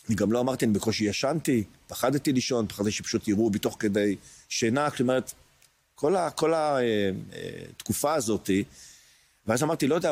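A man in his sixties, an interview guest, recounting a personal ordeal in a hesitant way, searching for words with many pauses. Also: medium pitch, breathy edge. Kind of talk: emotional personal testimony.

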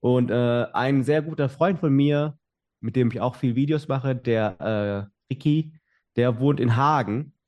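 A man's voice: mid-range voice, measured pace, a little mellow, dull audio. A young adult man, a podcast guest, telling his story in casual talk with many fillers and restarts.

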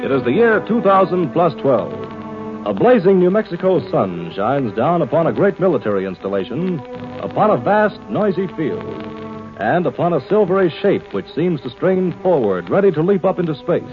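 Male announcer-narrator for old-time radio drama, declamatory, fairly high voice, muffled recording with music. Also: big pitch swings, moderate pace.

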